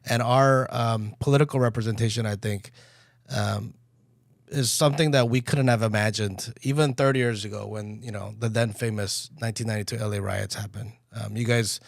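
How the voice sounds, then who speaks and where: A man's voice: lowish voice, brisk, creaky, dry recording. A man hosting a casual podcast chat in a small studio, talking loosely with many fillers and restarts. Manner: relaxed, filler-heavy, self-correcting. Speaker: podcast host. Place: small studio room set up by the group. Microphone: boom-arm mic.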